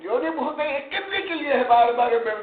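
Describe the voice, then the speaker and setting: A high-pitched man with a very lively, rising and falling voice teaches a scripture class, emphatic and scolding his students. The sound is echoey and thin like a phone line. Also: a little fast, a crowd in the background. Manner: emphatic, animated, chiding students, mixes English terms. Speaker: Jain monk teacher. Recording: echoey room, tinny phone-like sound, faint noise.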